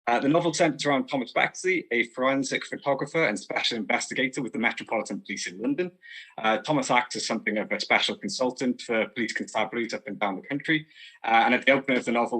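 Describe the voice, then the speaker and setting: Man, guest author on a video call, quick husky delivery. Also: mid-range voice, sharp tone, rough recording. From South Wales. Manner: quick, eager, with frequent fillers. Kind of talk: casual introduction and reading.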